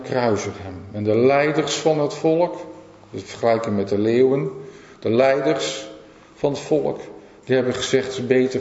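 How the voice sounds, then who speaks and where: A man's voice: mid-range voice, a little mellow. A man preaching a sermon earnestly, repeating phrases for emphasis and asking the listeners questions. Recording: echoey hall, dull lo-fi sound.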